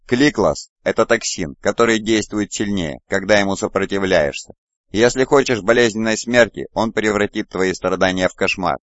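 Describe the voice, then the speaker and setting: A cold, gaunt surgeon, read by a deep-voiced man. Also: normal speed, no room sound, muffled recording, close to an everyday voice. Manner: calm, coldly menacing. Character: gaunt, corpse-like male surgeon, cold and calmly menacing.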